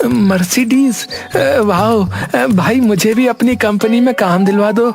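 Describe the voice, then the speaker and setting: A man voicing a naive, eager, jobless young man in a cartoon, talking in an excited, pleading way. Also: slow, gravelly, soft background music, heavily acted. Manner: excited, pleading, high-strung. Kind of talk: cartoon voice acting.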